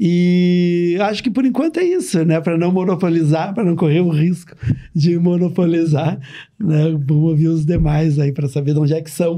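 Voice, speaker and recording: A man's high, dark and mellow voice at a moderate pace, with fairly even intonation and a quiet background. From Porto Alegre, southern Brazil; Rio Grande do Sul, Brazil. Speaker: state attorney; podcast guest. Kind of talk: podcast panel chat. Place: studio. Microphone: studio mic.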